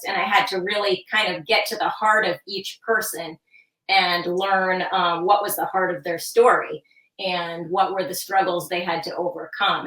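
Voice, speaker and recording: A woman in her forties, a guest on a radio interview, with a bright, forceful voice gone hoarse and groggy. She tells her story in an upbeat, chatty way. She sits back from the mic in an echoey room. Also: fairly low pitch, far from the mic. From Hudson Valley, New York. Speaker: children's book author, guest.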